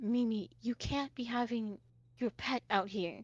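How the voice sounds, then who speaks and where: A woman puts on a character voice at a fairly high pitch. She delivers it at a fairly slow pace. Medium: actual play. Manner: weary.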